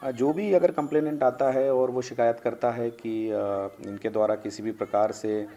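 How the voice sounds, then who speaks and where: A man in his thirties, a police officer, gives a formal, halting press statement with hesitant pauses into desk microphones in an office. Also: mid-range voice, steady tone, dark tone, slight background noise. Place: indoor office. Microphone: cluster of press microphones on desk.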